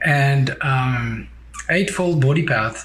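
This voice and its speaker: With a strong French accent, a man speaks at a medium pitch. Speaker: Buddhist teacher. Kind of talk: dharma talk; guided meditation. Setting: recorded virtual meeting. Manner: halting with many fillers.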